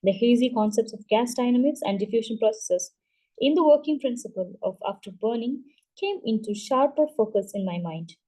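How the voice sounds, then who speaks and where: A woman hosting a book club, reading a memoir aloud at a steady pace and now and then stumbling and restarting a word. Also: fairly high pitch, normal speed, low-quality recording.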